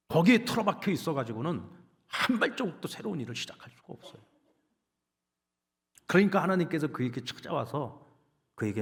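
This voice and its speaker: A male pastor giving an emphatic, animated sermon. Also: mid-range voice. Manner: emphatic, animated preaching with acted quotes.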